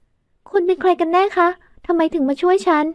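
A woman's voice: very high-pitched, fairly even intonation, a little fast, dry recording, muffled recording, pitched above the performer's own voice. Woman voicing a shaken young heiress. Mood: frightened.

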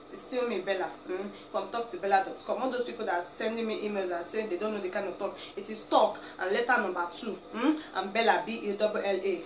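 With a medium-pitched voice, a quick pace and hardly any pauses, a young Nigerian vlogger from Abia State, Igbo-accented, rants emphatically to the camera while seated in a small room at home. Her pleading and scolding is peppered with "eh?" and "biko." The camera a few feet away gives a noisy, roomy, distant recording.

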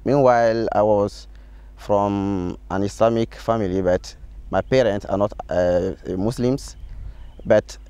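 Young man, deepish voice, halting answers, dry close lapel sound. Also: steady tone, dark tone, clear, resonant tone, no room sound. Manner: halting, many fillers and restarts. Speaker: interview guest, student. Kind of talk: answering interview questions. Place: outdoors on a school field. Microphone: lapel mic.

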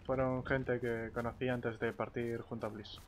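Male gamer, Castilian Spanish accent, mid pitch, casual in-character chat, noticeable background game noise. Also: flat delivery, moderate pace. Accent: Spain Spanish. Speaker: gaming roleplayer and streamer. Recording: noisy game audio with ambient sounds.

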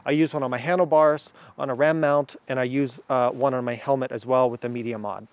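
A man's voice: medium pitch, steady tone, brisk, a little hiss or hum. A man in his thirties giving a casual, enthusiastic motorcycle gear review to camera outdoors, with lots of fillers. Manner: enthusiastic, chatty, many fillers.

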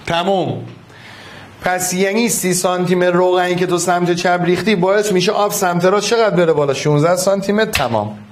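High-voiced man teaching physics. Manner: coaxing, affectionate, repeats key steps. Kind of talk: online class lecture.

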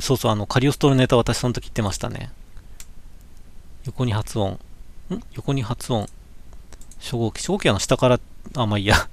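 A man talks loosely over photos from his cycling trip for a live stream. He muses aloud, pauses on fillers and corrects himself as he goes, in an easy, chatty way. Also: medium pitch, creaky. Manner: musing, chatty, many fillers and self-corrections. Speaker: cycling vlogger looking back on a trip. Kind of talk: casual slideshow commentary for a live stream. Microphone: webcam.

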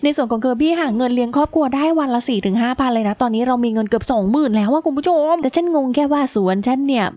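High-voiced woman chatting through a game. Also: racing, few pauses, warm tone. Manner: chatty, talks to viewers and her game characters. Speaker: gaming video host. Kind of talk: casual game commentary.

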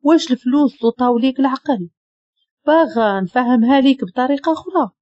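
A woman's voice: sits high, fairly quick, no echo, voice pushed up. A woman with a Moroccan accent voicing a stern, cold businessman who speaks curtly and harshly, recorded dull and lo-fi. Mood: angry.

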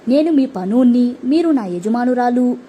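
A woman's voice: fairly high pitch, lively intonation, moderate pace, mellow, highs cut off, slight background noise, close to an everyday voice. A woman voicing a humble, honest young male farmhand in a storybook, speaking meekly and deferentially. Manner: meek, deferential.

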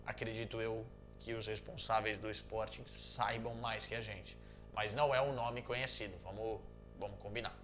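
A man's voice: fairly low pitch, normal speed, faint music behind. Joking Brazilian man chatting to camera. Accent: Brazilian Portuguese. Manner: animated, joking, gestures a lot. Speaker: football commentator answering viewers. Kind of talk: casual chat. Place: small room at home.

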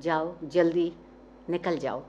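A bold, reckless young woman, as a woman reader puts her on snaps short, impatient orders with a teasing bite. The voice sits slightly low. The recording is dull and muffled, with faint ambience behind it. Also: steady tone, warm tone, a little hiss or hum, lightly acted. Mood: urgent. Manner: brusque and teasing, impatient commands. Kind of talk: dramatic reading of a short story.

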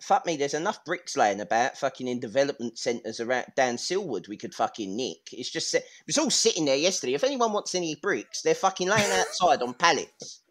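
A man, co-hosting a football podcast in sweary, animated casual chat. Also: mid-range voice, brisk, few pauses. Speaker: podcast co-host.

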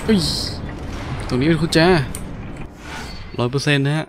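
A man giving casual let's-play commentary in an animated, exclamatory way, with playful muttering. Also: on the high side, moderate pace, background noise. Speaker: gameplay commentator. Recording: game music behind the voice. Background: video game music.

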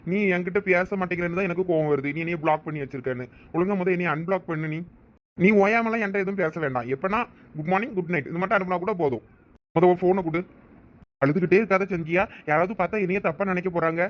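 A pushy, lovesick young man in a cartoon, voiced by a man. He talks fast in a fairly high voice, pressing and demanding. He keeps at it without letting up. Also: natural voice. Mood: pleading. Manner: insistent, demanding.

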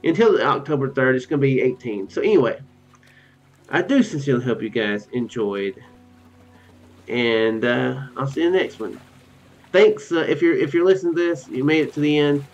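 A man's voice: medium pitch, normal speed. Sleepy guy chatting about a game, kinda rambly and unsure, muffled mic w music behind. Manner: rambling, hesitant, tentative musing. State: tired, drowsy. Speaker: gaming video host. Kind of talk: casual game commentary to viewers. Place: small room at home.

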